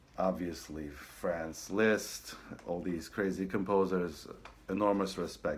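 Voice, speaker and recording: The voice comes at a fairly slow pace with vocal fry, and audible room echo surrounds it. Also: man. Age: 30s. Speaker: musician. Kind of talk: casual vlog monologue. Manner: halting, many restarts.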